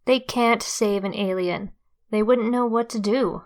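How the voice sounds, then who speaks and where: A woman plays a cool, firm woman in an audio drama. Her mid-pitched voice is measured and blunt, with little sentiment. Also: natural voice.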